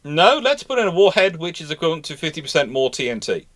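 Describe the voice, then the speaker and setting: A man hosting an unscripted question-and-answer talk, speaking emphatically but haltingly, doubling back and repeating himself to stress points. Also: on the high side, sing-song, fairly bright tone. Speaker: naval history host answering live questions.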